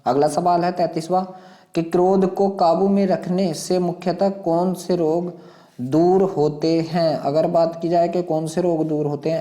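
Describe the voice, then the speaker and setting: A man's voice: fairly high pitch, dark tone. A man teaching an exam lesson, reading questions and passages aloud in an instructive way, repeating phrases and putting questions to his students.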